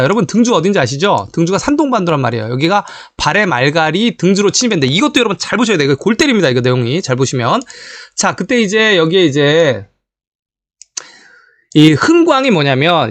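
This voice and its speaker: A man delivers a history lecture in a lively, sweeping voice that sits a bit high for a man. He talks straight to his audience and leans on rhetorical questions to drive home his points. The recording is dry and close, with no room sound. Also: no room sound. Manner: animated, rhetorical questions, addresses viewers directly.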